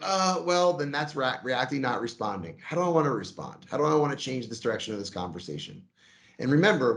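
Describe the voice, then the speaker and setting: A man leading a sales training, coaching his team with energy and acting out sample phone calls. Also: mid-range voice.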